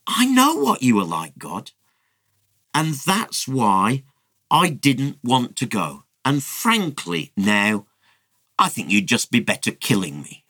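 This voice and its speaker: A man's voice: mid-range voice, huge pitch swings, slow pace, a bit bright, no echo, full character voice. A man voicing a grown prophet who sulks and complains with indignant exasperation. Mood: exasperated.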